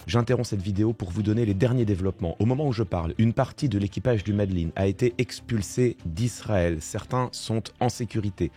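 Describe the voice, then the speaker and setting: A man's voice: on the low side, brisk, few pauses, warm tone, faint music behind. A man commenting live on the news, reading reports aloud and then adding indignant remarks with many fillers. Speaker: political commentator.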